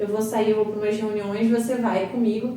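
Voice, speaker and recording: A woman talks with audible room echo around her and noticeable background noise. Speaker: labor lawyer and sign language interpreter. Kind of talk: podcast interview. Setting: studio.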